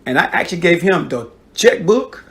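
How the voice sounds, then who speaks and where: A man's voice: fairly high pitch, big pitch swings, normal speed. A middle-aged man, a father, asking his son leading questions in a casual family chat.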